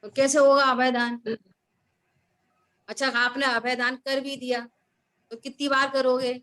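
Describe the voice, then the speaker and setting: Woman, high voice, scripture teacher, questions her listeners, repeats key words. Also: flat delivery, a little slow, pushed and bright. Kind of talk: scripture class talk.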